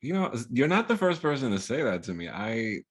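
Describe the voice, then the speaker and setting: A man from New York with a deep baritone, radio-like voice, speaking as a guest in a casual podcast interview, easygoing and reflective, now and then dropping in Spanish words. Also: sing-song, fairly quick, breathy edge. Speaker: podcast guest, sales executive.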